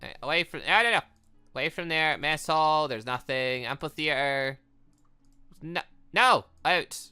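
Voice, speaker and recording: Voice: medium pitch, unhurried, sharp tone, clean tone. A gaming video host doing let's play commentary, reading dialogue aloud and reacting with exclamatory asides. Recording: music behind the voice. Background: music.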